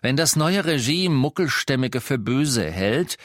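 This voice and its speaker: A man's voice: mid-range voice, lively intonation, moderate pace, dry recording, clean studio sound, pitched above the performer's own voice, natural voice. A man reading the part of a young wizard who lashes out in angry, accusing outbursts. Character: young male wizard, furious and defiant. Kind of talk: audiobook character voice.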